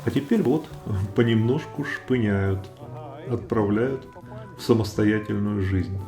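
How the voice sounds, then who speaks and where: A man giving a calm, explanatory nature commentary. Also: fairly low pitch, a little slow. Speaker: narrator of a nature video. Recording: roomy echo, faint music behind.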